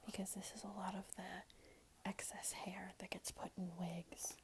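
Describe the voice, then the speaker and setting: A woman whispering breathily and gently in an ASMR tutorial, explaining things in an unhurried way. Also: medium pitch, level tone. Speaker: ASMR creator giving a wig styling tutorial. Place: small room at home, indoors.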